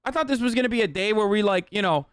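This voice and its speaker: A man's voice: high-pitched, fast, a bit bright, smooth, no echo, studio quality. A male streamer giving heated, profane live reaction commentary. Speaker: streamer host.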